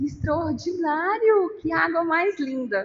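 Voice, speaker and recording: A woman talks at a very slow pace in a high voice. Her pitch swings very widely. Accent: Minas Gerais. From Minas Gerais, Brazil. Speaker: lay preacher. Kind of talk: sermon with testimony. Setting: church. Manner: animated.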